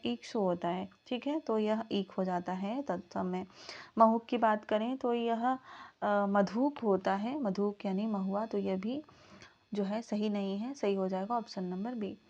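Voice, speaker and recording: A woman teaching Hindi literature in an exam practice lesson, reading out questions and options and then explaining the answers in a measured way. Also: mid-range voice, dull audio. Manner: signs off warmly asking viewers to comment.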